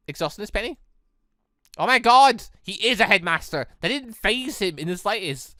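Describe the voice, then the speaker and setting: A bright, forceful let's-play host with a very lively, swooping delivery. The commentary rambles excitedly between stretches of reading aloud, and the sound is close and dry. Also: mid-range voice, normal speed, no echo. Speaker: host playing and reading a visual novel.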